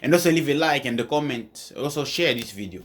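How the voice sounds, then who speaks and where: A man's voice: medium pitch, expressive, fast. A man hosting an online channel with informal news commentary, restating his points as he goes.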